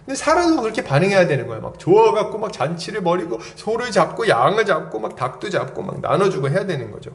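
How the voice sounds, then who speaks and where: Animated high-voiced man preaching. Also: quick pace, hardly any pauses. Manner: lively, asks the congregation questions and prods with "eh?"; tells personal stories with laughter. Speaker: pastor. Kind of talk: expository sermon.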